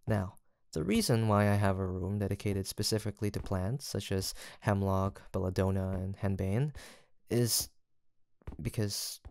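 A man playing a gentle, earnest apothecary in a fantasy audio roleplay, soft-spoken, formal and courteous, with some hesitation. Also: lowish voice, measured pace, vocal fry, dry recording, studio quality. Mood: solemn, determined. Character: gentle, earnest, guilt-haunted male apothecary in fantasy village. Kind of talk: soft, sweet roleplay acting addressed to the listener.

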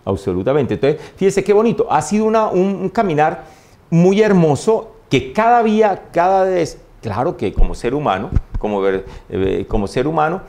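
A man, a priest, telling stories in a warm way and often laughing during an interview. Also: fairly high pitch, big pitch swings, moderate pace, vocal fry. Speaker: priest, guest. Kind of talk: interview anecdotes. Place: TV studio.

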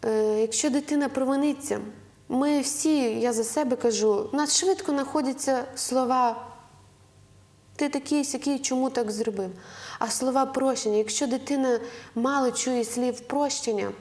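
A young woman with a western Ukrainian accent speaks as a studio guest, explaining parenting points in an earnest, instructive way. She often pauses on fillers as she gathers her thoughts, and her voice sits a touch high. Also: a little mellow. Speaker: guest on a Christian TV program. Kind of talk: advice talk on parenting.

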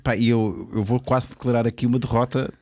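A man's voice: mid-range voice, steady tone, fairly quick, darkish tone, a little hiss or hum. A man with a European Portuguese accent hosting a podcast, joking and teasing his guest with casual swearing. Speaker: podcast host. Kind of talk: casual banter.

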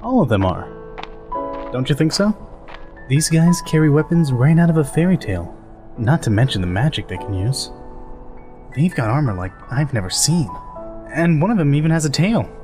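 Voicing an easygoing, goofy older soldier who rambles, jokes and laughs readily, this man dubs a game scene with a slightly high, very animated voice and a darkish tone. He speaks at a moderate pace with long pauses, over faint music.

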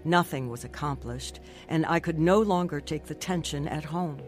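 An actress playing an earnest, emotional middle-aged Christian wife in a radio drama. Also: female voice, deep voice, moderate pace, faint music behind, close to an everyday voice. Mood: earnest, reflective. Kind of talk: radio drama narration and dialogue.

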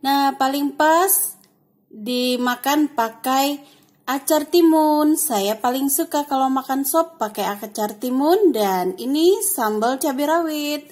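A woman's voice: sits high, slow. A woman hosting a home cooking channel, talking through a recipe step by step in a chatty, friendly way. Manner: chatty, step-by-step, adds soft "ya" and "nah". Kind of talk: casual cooking tutorial voice-over.

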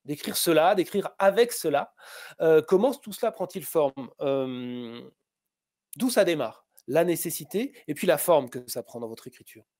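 A middle-aged man interviews a writer over a webcam, his voice sitting a little high for a man. He hesitates constantly, filling gaps with drawn-out filler sounds. The sound is dry and close, with no room around it. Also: animated, a little mellow, no room sound. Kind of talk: literary interview on a video call. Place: room with posters behind. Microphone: webcam on a video call.

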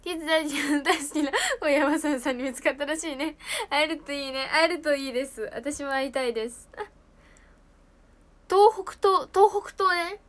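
A bubbly teenage girl with a lilt, chatting on a live stream and reading out viewer comments. Her voice sits very high, and she giggles often between lines. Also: fairly even intonation, fast talker, a bit bright. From Japan. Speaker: idol trainee streamer. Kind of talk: casual live stream chat.

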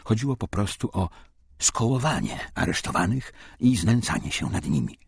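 Deep husky guy reading a war memoir audiobook, grave and dramatic, really expressive. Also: normal speed, no echo. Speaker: audiobook narrator. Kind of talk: scripted first-person war memoir narration, acting out quotes.

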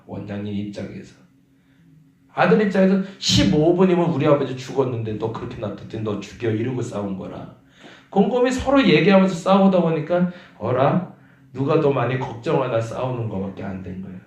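A man preaching at a dawn prayer meeting as pastor. He tells a story in a conversational way and acts out the voices of the people in it. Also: mid-range voice. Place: church sanctuary. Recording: roomy church echo.

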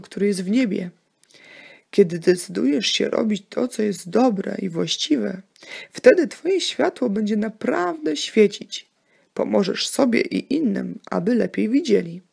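Casting: woman as kindly, patient storybook father, explaining earnestly, husky and very creaky. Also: medium pitch, a little mellow, heavily acted. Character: gentle, wise father teaching his young son.

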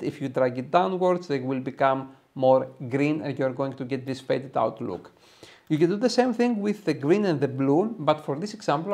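A Greek man in his thirties, speaking with a Greek accent, hosts an enthusiastic, step-by-step photo editing tutorial for viewers from a small home studio. His voice is on the high side, creaky and a little mellow.

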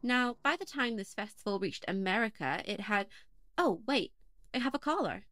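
A woman's voice: medium pitch, lively intonation, moderate pace, fairly bright tone. A woman playing a chatty, wry podcast host who dismisses callers' suggestions, in an audio play.

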